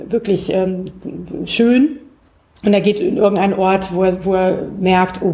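A woman's voice: lowish voice, mellow. A woman, a qigong teacher, explaining her method as a guest in an interview, with many filler sounds. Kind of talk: interview over distance.

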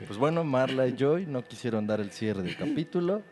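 A man's voice: mid-range voice, animated, moderate pace, over music. Young male podcast host, Mexican accent, easygoing, middle voice. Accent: Mexican Spanish. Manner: laid-back, wraps up the show. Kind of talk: casual chat.

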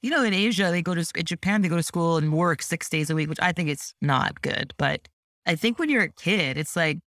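A woman from Canada whose first language is French, talking as an entrepreneur guest in a casual podcast interview, animated and chatty with lots of "like" and "you know". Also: lowish voice, brisk, dry recording, studio quality.

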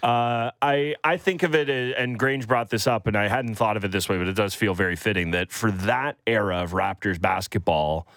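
A man's voice: on the low side, normal speed, hardly any pauses, a bit bright, dry recording, studio quality. A man co-hosting a morning sports radio show, musing at length in a loose, reflective way. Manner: rambling, reflective, lots of fillers. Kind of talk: casual sports talk. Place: radio studio. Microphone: studio microphone.

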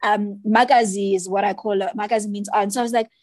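A woman's voice: mid-range voice, steady tone, quick pace, a little mellow, dry recording, clean studio sound. A South African woman, a children's author, chatting as an interview guest and telling stories with many "you know"s and "right"s. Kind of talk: casual interview chat.

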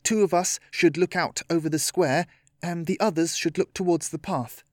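Man voicing an earnest young girl leader, higher pitched. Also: steady tone, normal speed, darkish tone, no echo, clean studio sound, natural voice. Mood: earnest, decisive. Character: earnest young girl taking charge of her friends.

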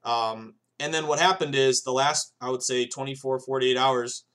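A man's voice: mid-range voice, fairly even intonation, normal speed, very noisy. Man, thirties, sports betting podcast host, casual solo talk, rambling with fillers, addresses listeners directly.

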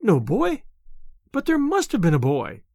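A man doing a stern older woman, brisk, clipped, lively pitch, dry sound. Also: dry recording, full character voice. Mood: insistent.

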